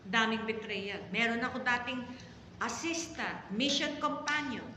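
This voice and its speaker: A middle-aged Filipino woman pastor preaching a story-filled sermon, with sudden loud exclamations and drawn-out emphasis. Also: a little high. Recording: echoey hall reverb, faint background noise.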